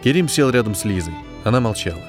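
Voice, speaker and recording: A man narrating a science fiction story in an audiobook, with expressive, scripted delivery. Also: fairly low pitch, quick pace. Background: background music.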